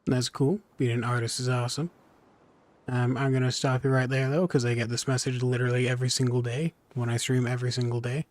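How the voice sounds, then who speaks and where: A man's voice: mid-range voice, level tone, quick pace. Chatty man streaming a video game. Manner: informal, chatty, muses aloud. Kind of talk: casual livestream chat over gameplay. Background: game music.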